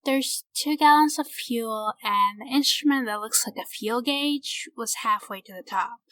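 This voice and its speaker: A woman's voice: on the high side, unhurried, fairly bright tone, dry recording. A woman playing a cautious, sceptical time traveller in an audio drama, precise and firm.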